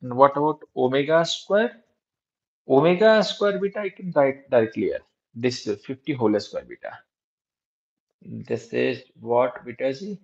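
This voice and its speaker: A man with a South Asian accent teaching a live physics lesson in a halting, repetitive way, often checking with his students. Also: medium pitch, vocal fry. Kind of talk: live exam-prep lesson, working through problems. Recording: dull lo-fi recording.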